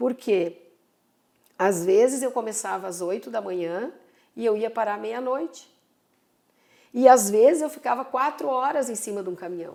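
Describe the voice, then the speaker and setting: With a dark, mellow tone and fairly high pitch, a woman speaks at a moderate pace with lively intonation, big swings in loudness and long, frequent pauses. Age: 60s. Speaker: politician. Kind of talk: interview. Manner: halting.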